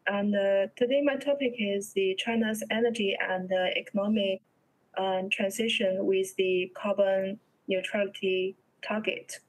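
A young woman with a Chinese accent presents research at a slow pace. Her pitch stays level with little variation. Her delivery is halting and hesitant, in the style of an academic talk on a video call. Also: steady tone, low-quality recording.

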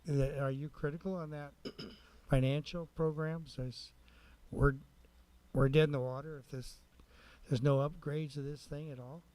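A male city council member questioning at a public meeting, halting and often rephrasing mid-sentence. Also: a little high, fairly even intonation, a little mellow.

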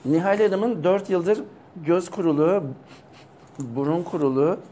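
A man leading a live seminar session, calmly repeating back what participants say. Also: high voice, measured pace, slight background noise. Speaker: seminar leader.

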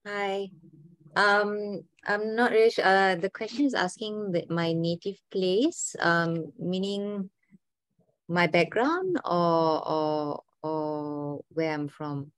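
Low-voiced Malaysian woman in her twenties, alumna guest, dry sound. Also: slow, clear, resonant tone, dry recording. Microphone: video call.

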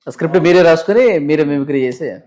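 A man with a slightly raised pitch asks short, direct questions as an interviewer. He keeps the talk moving with brief prompts. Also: lively intonation, fast talker, mellow. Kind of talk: casual interview.

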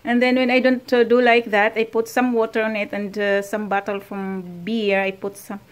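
A woman with a Filipino accent cooking at home for her husband in a casual vlog, talking in halting English mixed with German and Filipino words. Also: on the high side, flat delivery. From Philippines. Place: home kitchen.

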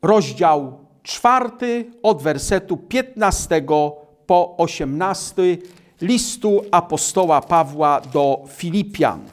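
An older man preaching at a lectern, slowly and deliberately reading and explaining Bible passages. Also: a little high, expressive. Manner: slow, deliberate delivery reading scripture aloud. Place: studio with virtual backdrop, indoors.

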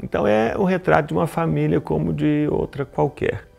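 A man in a documentary interview, speaking in measured, balanced phrases. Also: a little high, creaky, a little mellow, soft background music.

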